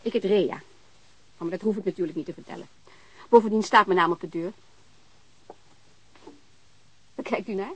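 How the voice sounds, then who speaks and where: A woman's voice: mid-range voice, fairly quick, husky, no room sound, close to an everyday voice, rough recording. An actress playing a blunt, teasing and informal landlady in a naturalistic radio drama. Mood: blunt, curious. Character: outspoken, unconventional landlady, informal and hospitable, wary of police.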